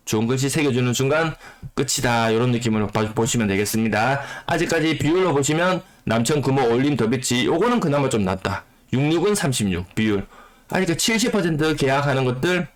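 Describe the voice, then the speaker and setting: A man whose voice is rough from a cold, explaining housing market figures and repeating key phrases for emphasis. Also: medium pitch. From South Korea. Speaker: real estate YouTuber. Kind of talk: data commentary on the housing market.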